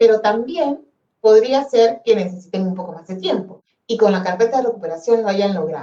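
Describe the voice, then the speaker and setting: A woman talks in a fairly high pitch with lively intonation. Her loudness swings a lot. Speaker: education official. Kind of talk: webinar presentation. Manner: fast.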